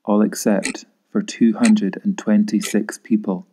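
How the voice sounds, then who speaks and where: A man giving a grave, measured voice-over in the sober style of a public safety advert. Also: lowish voice, flat delivery, mellow, slight background noise.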